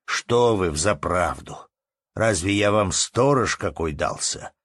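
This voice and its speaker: A man voicing a hot-tempered innkeeper who scolds loudly in folksy speech. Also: low voice, lively intonation, takes it slowly, dry recording, studio quality, heavily acted. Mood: angry.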